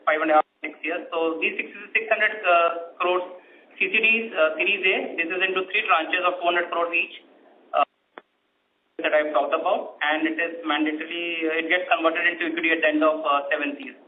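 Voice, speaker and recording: A man, a finance executive giving a careful, halting technical explanation on a call. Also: fairly high pitch, little pitch movement. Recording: tinny phone line with faint noise.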